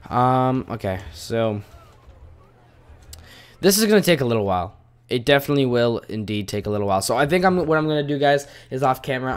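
A man's voice: on the low side, smooth. A man giving casual let's-play commentary, rambling and poking fun at himself as he plays. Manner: rambling, self-mocking, casual. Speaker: gaming video host.

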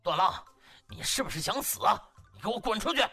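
Man acting high-pitched, hot-tempered male official. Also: lively intonation, fairly quick, creaky, soft background music, exaggerated voice. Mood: furious. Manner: shouting, spluttering.

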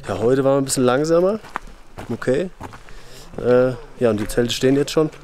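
Young german guy vlogging on a hike, chatty and relaxed, lots of ums, camera mic outdoors. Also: medium pitch, fairly quick. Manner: chatty, relaxed, frequent fillers. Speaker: hiking vlogger. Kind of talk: casual vlog talk to camera. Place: outdoors on a mountain camp.

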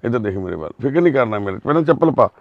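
A man doing social service on a live video, gently soothing a frightened girl and repeating his reassurances. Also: medium pitch, animated, very fast, no echo, highs cut off. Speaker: social worker helping a lost girl.

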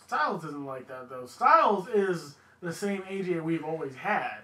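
A man's voice: fairly high pitch, sing-song, unhurried, bright, forceful tone. A man co-hosting a casual wrestling podcast, conversational and ready to disagree, recorded in an echoey room. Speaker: podcast co-host.

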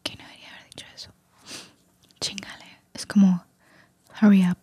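Female ASMR whisperer, very breathy, dry close sound, a singing mic held near the lips. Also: mid-range voice, flat delivery, moderate pace, no echo. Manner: soft whisper mixing in English words. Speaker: vlogger teaching slang. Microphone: singing microphone close up.

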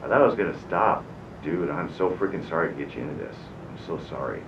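An actor playing a distraught, apologetic airline captain in a halting cockpit recording reenactment. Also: male voice, animated. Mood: self-reproaching. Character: distraught, apologetic male airline captain after a runway accident. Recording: distant, dull, roomy cockpit with loud rumble.

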